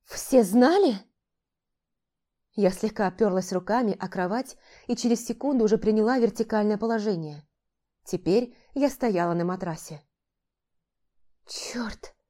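A woman narrating a fantasy audiobook in the first person, measured and even. Her voice is mellow and dark-toned, sitting at an ordinary middle pitch.

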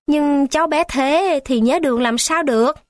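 A woman voicing a kindly older male locksmith in a children's storybook, gently giving directions. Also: high-pitched, moderate pace, no room sound, studio quality, voice pushed up, close to an everyday voice.

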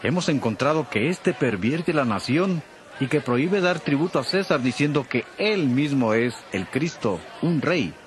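An actor playing an indignant religious leader laying charges in an audio Bible drama. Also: male voice, medium pitch, expressive, normal speed, crowd noise, natural voice. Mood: accusing. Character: accusing religious leader before governor, indignant.

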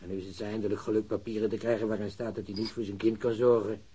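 A man's voice: on the low side, level tone, very fast, warm tone, breathy edge. A man acting a worried, aggrieved working-class grandfather in a radio drama, plain-spoken and grumbling. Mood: worried, resigned. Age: older.

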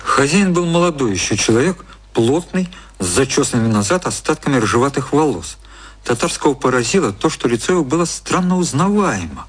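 A male actor giving a measured, detached scripted narration as the narrator of a literary radio drama. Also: on the high side, breathy edge.

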